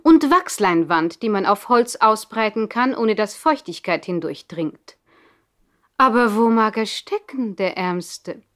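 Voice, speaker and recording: A woman's voice: mid-range voice, expressive, unhurried, fairly bright tone. An actress playing a caring, practical noble mother in a German radio play from the 1960s. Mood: concerned, practical.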